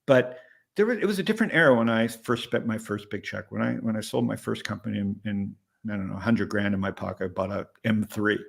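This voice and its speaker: A man's voice: lowish voice, quick pace, gravelly. A man in his late fifties, an investor giving a candid, rambling interview, often checking in with "right?". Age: 50s. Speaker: startup investor and interview guest. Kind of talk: casual interview conversation.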